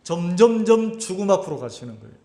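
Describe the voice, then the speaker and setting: A man's voice: high voice, very animated, fairly quick, mellow. Man, pastor, sermon, rhetorical questions, echoey church hall. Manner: asks the congregation rhetorical questions and answers them; acts out quoted voices of churchgoers. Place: church hall at a summer camp.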